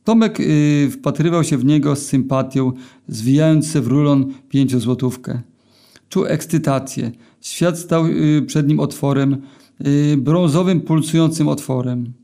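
A man reading his own short story aloud in a deadpan way, with filler hesitations. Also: a little high, unhurried. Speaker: narrator.

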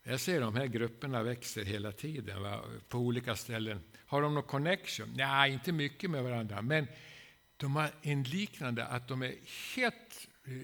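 A Swedish preacher with a bright, forceful voice delivers an impassioned sermon. He swings from quiet asides to loud pleading, peppering his points with rhetorical questions. His voice rings through a church hall with a long reverb. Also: medium pitch, creaky.

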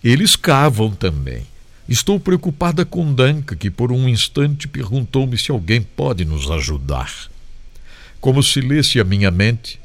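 A man giving an expressive, dramatic reading of a first-person memoir as a devotional reader, slowing for solemn moments. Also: mid-range voice, no room sound.

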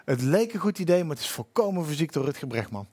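A man co-hosting a casual podcast, making quick, dry joking remarks. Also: fairly high pitch, big pitch swings, dark tone, no room sound.

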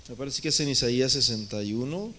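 A man's voice: medium pitch, fast, fairly bright tone, a little hiss or hum. A man preaching a sermon as pastor, calling his listeners brothers and swinging his voice up and down for emphasis. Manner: addresses listeners as brothers, rising and falling emphasis. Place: church in the United States.

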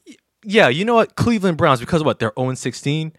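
A male podcast host talks in casual banter, teasing and boasting. His pitch swings widely. The sound is dry and close. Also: sing-song, fast, no echo. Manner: teasing and boastful, stammers when worked up.

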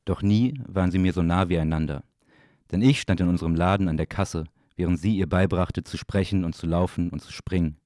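Deep voiced guy doing a brooding spoken literary monologue, soft dark tone, super dry sound. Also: fairly even intonation, fairly quick, dry recording. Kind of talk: literary audio play monologue, dramatic recitation.

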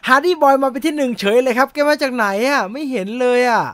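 Hosting a live movie quiz stream, this adult man announces winners and jokes with viewers in relaxed chat. His voice is extremely high, quick, and fairly bright, with no room sound, and his manner is teasing and playful, full of laughing asides.

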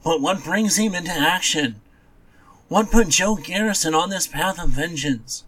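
A man's voice: a little high, measured pace, a bit bright, rough recording. A man co-hosting a podcast in casual, blunt chat about comics, dismissive and given to offhand swearing. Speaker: podcast co-host.

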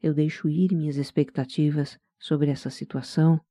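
A Brazilian-accented voice leads a guided meditation with a very dark, velvety tone. The delivery is gentle, calm and soft-spoken, like scripted relaxation narration. The sound is close and dry, with no room around it. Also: mid-range voice, moderate pace, dry recording.

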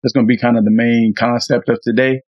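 A man co-hosting a podcast, voice raspy after the flu, speaking in an earnest, reflective casual chat. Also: medium pitch, level tone, fast talker, no room sound, muffled recording. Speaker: podcast co-host and audio engineer.

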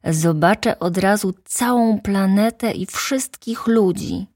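A woman voicing the Little Prince, a gentle and lonely young boy, in an earnest, wondering storybook reading. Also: mid-range voice, slow pace, dry recording, clean studio sound, voice pushed up.

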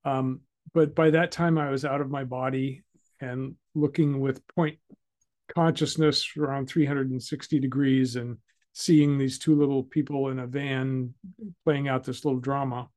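A man, a guest in an interview, calmly telling a personal story with hesitant fillers. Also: mid-range voice, unhurried. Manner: calm and reflective, with hesitant fillers.

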